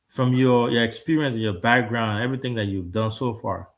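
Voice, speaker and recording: A man's voice: medium pitch, moderate pace. Earnest Liberian man hosting a talk show. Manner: earnest, repeats words when restarting. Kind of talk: casual talk show discussion.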